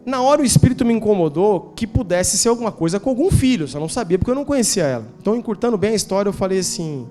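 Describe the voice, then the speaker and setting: Brazilian pastor in his forties, high tenor, chatty storyteller in the pulpit, faint music behind. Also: lively intonation, rapid-fire, hardly any pauses, warm tone. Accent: Brazilian Portuguese. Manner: conversational storytelling with rhetorical questions, slangy asides. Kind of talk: sermon. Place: church.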